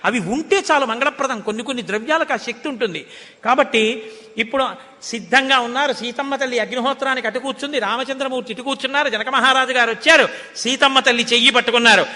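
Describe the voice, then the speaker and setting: An older man with a Telugu accent gives a devotional discourse, his voice unusually high and piercingly bright. He shifts into slow chanting for Sanskrit verses, and a long hall reverb trails every phrase. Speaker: religious discourse speaker.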